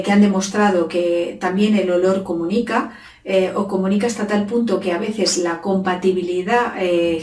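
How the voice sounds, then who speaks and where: A middle-aged woman giving an unscripted video lesson on communication, pausing often with filler sounds. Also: mid-range voice, a little mellow, recorded from a distance. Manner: hesitant, many filler sounds. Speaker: communication trainer. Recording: roomy echo, set back from the mic.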